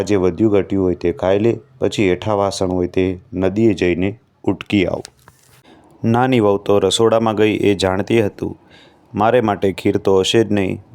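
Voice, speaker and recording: Man, deep voice, resonant, calm devotional folk-tale narration. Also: clean tone. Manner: steady, devotional storytelling. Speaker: storyteller.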